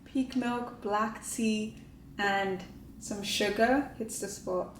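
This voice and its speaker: A woman's voice: medium pitch, steady tone, takes it slowly, slight background noise. A woman vlogging to camera from her home kitchen, chatting casually and rambling with lots of "like" fillers. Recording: echoey room with faint ambience.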